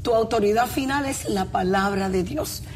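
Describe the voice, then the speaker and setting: A woman's voice: mid-range voice, normal speed, darkish tone, a little hiss or hum. An older woman from Cuba, raised in Puerto Rico, co-hosting a Christian talk show, reading listener questions and affirming her co-host. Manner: affirming interjections.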